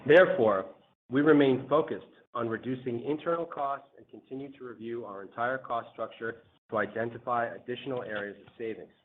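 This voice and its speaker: Man on a tinny conference line. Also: mid-range voice. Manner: formal, measured read-out delivery. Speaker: company executive. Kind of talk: scripted corporate earnings presentation. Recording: phone-like conference line with faint noise.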